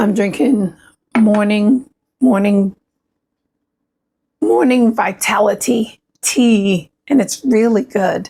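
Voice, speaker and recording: At a very slow pace with long, frequent pauses, a woman speaks in a fairly high, somewhat breathy voice with very even loudness. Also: ordinary pitch variation. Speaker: sewing vlogger. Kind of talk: casual vlog chat. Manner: halting, repeats words.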